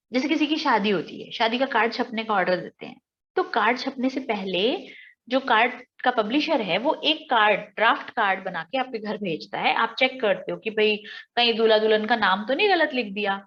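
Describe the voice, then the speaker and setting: A woman's voice: fairly high pitch, expressive, normal speed, highs cut off. An Indian woman teaching an exam-prep lesson, explaining step by step with everyday examples and rhetorical questions. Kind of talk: exam-prep lecture mixing Hindi and English.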